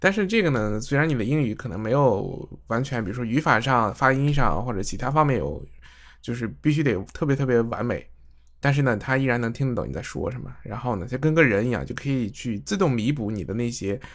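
This man talks very fast at a medium pitch. His intonation is lively. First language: Mandarin Chinese. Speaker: tech app reviewer. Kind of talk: practice conversation with AI chatbot; casual app demo tutorial. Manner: halting.

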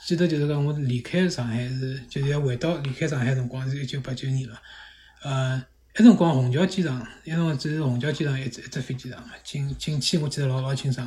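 A man's fairly high voice, somewhat breathy, with a dark, mellow tone and ordinary pitch variation. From Shanghai, China. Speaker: former soldier and finance worker. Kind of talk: casual chat.

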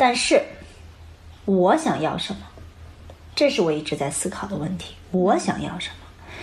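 With audible room echo and noticeable background noise, a woman of medium pitch talks at a fairly slow pace, with very wide pitch swings, big swings in loudness and long, frequent pauses. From northern Shaanxi (Yan'an), China, Beijing parents. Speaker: martial arts choreographer and actress. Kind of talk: interview storytelling. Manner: animated.

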